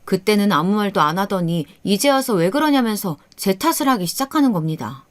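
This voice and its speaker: A woman's voice: mid-range voice, big pitch swings, fairly quick, no echo. A woman in her thirties narrating a first-person radio story in plain storytelling.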